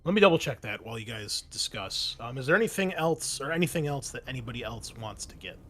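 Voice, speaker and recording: A man's voice: medium pitch, lively intonation, fast, fairly bright tone. Casual male game master over music. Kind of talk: casual online tabletop roleplaying game talk. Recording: music under the voice. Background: background music.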